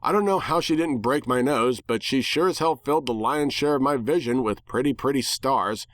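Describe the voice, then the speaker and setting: A man's voice: medium pitch, normal speed, a bit bright, dry recording. A man giving a dramatic first-person story reading in a wry, sardonic, conversational way. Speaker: story reader. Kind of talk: dramatic first-person fan fiction narration.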